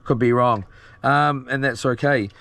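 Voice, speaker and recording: A man's voice: medium pitch, steady tone, unhurried, fairly bright tone, no room sound. A man with a broad New Zealand accent, chatting casually on a live stream in a slangy, matey, rambling way. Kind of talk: casual live-stream chat, reading out and answering viewer comments.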